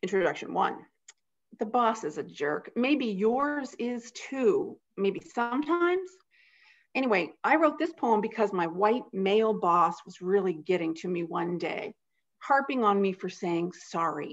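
Very wide pitch swings run through a woman's fairly high voice. The background is quiet. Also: fairly slow pace. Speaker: poet. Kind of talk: poetry reading. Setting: video call. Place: home room. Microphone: webcam.

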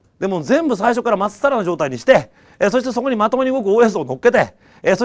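A man speaking at a very fast pace in a high pitch, over a quiet background. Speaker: cram school English teacher. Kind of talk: lecture. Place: classroom. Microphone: lapel.

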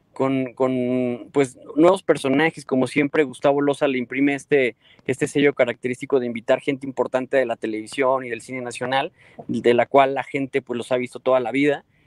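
A man speaks fairly quickly at a medium pitch in a monotone, flat intonation. The recording is dry and close, with no echo. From Mexico. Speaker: actor. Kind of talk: interview.

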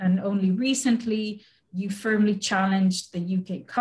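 A somewhat breathy woman's voice at a medium pitch, with fairly even intonation. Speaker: moderator. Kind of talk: moderated panel discussion. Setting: video call. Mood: earnest, reflective. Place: home room. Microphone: webcam.

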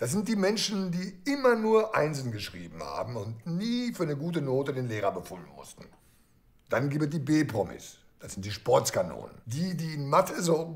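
At a moderate pace, the voice moves through very wide pitch swings and big swings in loudness against a quiet background. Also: man. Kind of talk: scripted acting, mockumentary interview monologue. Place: office.

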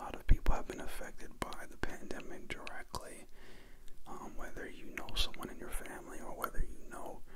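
A soft-spoken, breathy man whispering at a fairly quick pace over loud background noise. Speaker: vlogger. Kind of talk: soft reflective talk to camera, ASMR-like. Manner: close-mic whisper, soft and breathy. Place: home room. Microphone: handheld.

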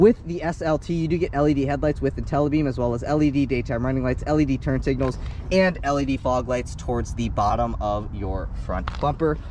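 A man speaks at a moderate pace with hardly any pauses, his intonation fairly even, the sound dry with no echo over light background noise. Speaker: car reviewer. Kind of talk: vehicle walkaround commentary. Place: street. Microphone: phone near.

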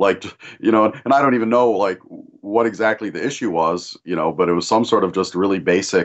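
A man talks at a fairly quick pace with a Midwestern accent. His pitch is fairly low, and the background is quiet. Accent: American, Midwestern. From Michigan, US Midwest. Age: 40s. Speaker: tank history YouTuber and blogger. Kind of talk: casual conversation. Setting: video or voice call. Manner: frequent fillers, hesitant. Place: home room. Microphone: webcam.

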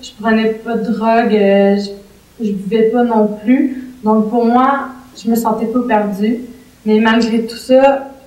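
Very slow and monotone with flat intonation, a woman with a fairly high pitch speaks amid audible room echo. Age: 20s. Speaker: church member being baptized. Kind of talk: testimony. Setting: church. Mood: earnest, emotional. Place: home room.

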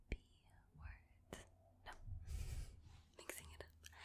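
A woman is whispering. Her pace is very slow. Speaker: ASMR creator. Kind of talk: casual talk to camera, channel intro. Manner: whispered, enunciated. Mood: friendly, relaxed. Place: home room. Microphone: studio mic.

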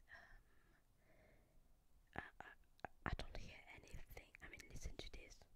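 She speaks very slowly. The woman is whispering. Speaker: ASMR creator. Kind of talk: ASMR whispered talk. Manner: whispered. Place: home room.

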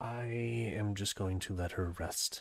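This is a man talking. His voice comes out somewhat breathy. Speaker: game streamer. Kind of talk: live stream chat. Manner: quieter than usual. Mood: relaxed, a bit subdued. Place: home room.

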